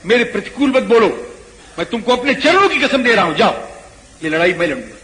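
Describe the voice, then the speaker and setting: A man voicing a calm, commanding divine prince who speaks in a firm, earnest way. The voice rings in an echoey hall. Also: high voice, a little fast. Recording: echoey hall with faint noise.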